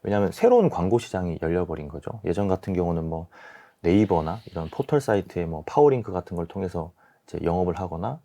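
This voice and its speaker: Guy in his 40s, deep mellow voice, expert guest explaining stuff carefully on a radio interview. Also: fast talker. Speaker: guest, small-business expert and YouTuber. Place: radio studio.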